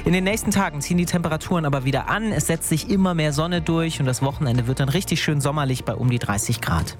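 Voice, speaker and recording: A man's voice: on the high side, quick pace, soft background music. A man hosting a local morning radio show, reading weather and traffic in a chatty, informal way. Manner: chatty, upbeat, informal asides. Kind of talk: casual lively radio presenting.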